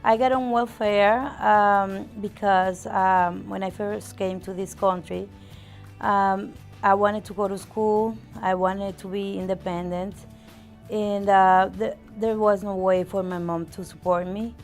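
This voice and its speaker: A woman's voice: medium pitch, steady tone, unhurried, soft background music. A woman speaking hesitantly with many fillers in an interview.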